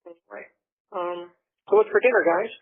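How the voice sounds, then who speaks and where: A man's voice: high voice, fairly even intonation, normal speed, breathy edge. A man calling his family from jail on a prison phone line, chatting casually and rambling with many fillers and restarts.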